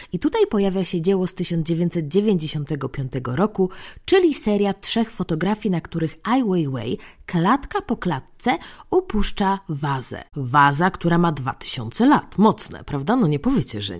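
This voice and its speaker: Her pitch fairly low, a woman speaks very slowly with very wide pitch swings. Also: very clean recording, silent background. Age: 30s. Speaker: podcast host. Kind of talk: storytelling monologue.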